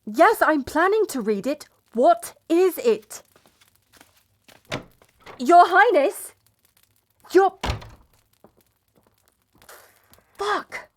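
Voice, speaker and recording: Woman acting a proud, unhurried medieval princess. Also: extremely high pitch, very animated, exaggerated voice. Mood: frustrated, angry. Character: proud, blunt betrothed princess in a medieval romance. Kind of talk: romance audio roleplay acting, addressed to listener.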